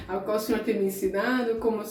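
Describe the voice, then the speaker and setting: With a mid-range voice, steady tone and normal speed, a middle-aged woman evangelical preacher from Brazil delivers an emotional sermon-style talk, addressing viewers directly in a conversational way and occasionally near tears. Soft guitar music plays, and the distant mic picks up an echoey room.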